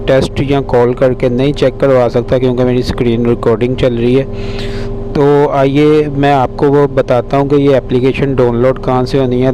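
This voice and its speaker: Male tutorial host, casual step-by-step narration, monotone delivery, noisy recording with a clear background hum. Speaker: host of a tech tutorial channel. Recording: loud steady hum and rumble.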